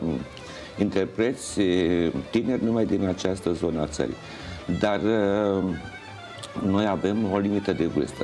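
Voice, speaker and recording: Older man, very low pitch, halting measured delivery, TV interview guest, faint music behind. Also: mellow. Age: older, around 60s. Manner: halting, measured, pausing mid-phrase. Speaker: interview guest, folk festival organizer and juror. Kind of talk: studio interview, explaining. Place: indoor TV studio. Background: music playing.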